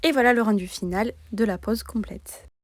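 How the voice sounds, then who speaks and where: A woman calmly narrating a step-by-step nail art tutorial as a voice-over, in a plain explaining tone. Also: a little high, normal speed, no echo, clean studio sound.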